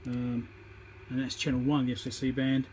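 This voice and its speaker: A man's voice: medium pitch, completely flat delivery, a little fast, a little mellow, a little hiss or hum, poor audio. A man giving an informal, matter-of-fact hands-on repair tutorial, thinking aloud as he works, recorded on a phone on a tripod. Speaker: electronics repairer demonstrating.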